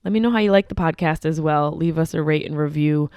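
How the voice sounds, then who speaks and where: A woman hosting a comedy podcast, her voice hoarse and partly gone, talking in a brash, joking way with plenty of swearing. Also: low-pitched, quick pace, no echo, highs cut off. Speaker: podcast host. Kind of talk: casual comedic podcast monologue. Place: guest room of a house.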